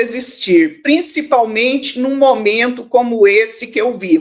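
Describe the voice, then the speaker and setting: A woman talks at a very slow pace with lively intonation. Her pitch is fairly high. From Minas Gerais, Brazil (Bom Despacho). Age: 70s. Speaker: author. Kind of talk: interview.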